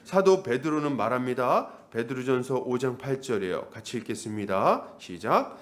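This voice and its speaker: A male pastor preaching a sermon, lively and conversational, often asking the congregation questions. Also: medium pitch, normal speed. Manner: animated, acts out voices, asks the congregation questions.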